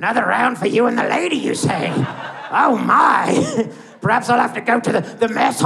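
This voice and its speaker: A put-on character voice comes at a fairly high pitch and a moderate pace. Clear background noise is present. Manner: exaggerated, over the top.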